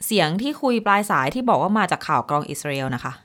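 A woman radio host telling a news story in casual chat, animated when quoting. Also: low voice, fast talker.

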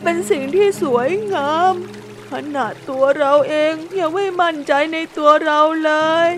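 A shy young hippo girl from a storybook, as a woman puts her on, speaking in a soft, polite, apologetic way. The voice sits high and bright above the narrator's own. Faint music plays underneath. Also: lively intonation, normal speed. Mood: sad. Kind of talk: storybook role-play.

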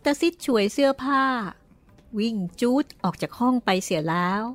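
A woman narrating an audiobook in a measured storytelling manner. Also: fairly high pitch, animated, no room sound.

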